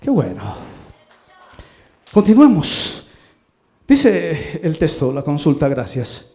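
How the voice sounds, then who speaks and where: A man with a Colombian accent preaching a sermon as pastor, dropping to quiet asides and rising to shouted lines. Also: a little high, big pitch swings, takes it slowly. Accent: Colombian Spanish.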